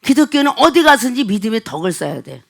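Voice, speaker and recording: A middle-aged woman pastor preaching with a high voice that swings widely in pitch. She tells everyday stories and acts out the dialogue in them. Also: fast talker, gravelly. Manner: animated storytelling with acted-out dialogue. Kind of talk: sermon.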